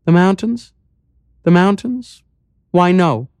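A man voicing a calm, cryptic village mayor, a woman with a hollow, weirdly musical voice, in an audiobook. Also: sits high, clear, resonant tone, no echo, voice pushed up, heavily acted. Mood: serene. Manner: serene, measured, cryptic. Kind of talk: audiobook character voice.

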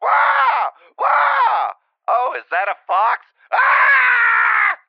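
A man's voice: very high voice, wildly swooping pitch, drawn-out words, creaky, no room sound, shouting, voice pushed up, exaggerated voice. A man voicing a panicky, easily frightened chicken, wailing frantically in a comedy skit, on a dull lo-fi clip. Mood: frantic panic.

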